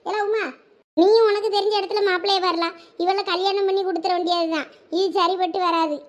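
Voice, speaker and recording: Casting: woman as anxious, nagging village mum for a cartoon, Thoothukudi Tamil accent, piercingly high, quick delivery. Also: fairly even intonation. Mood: exasperated. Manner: scolding, complaining, repetitive. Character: exasperated, anxious village mother fretting over her children. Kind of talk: cartoon village drama dialogue.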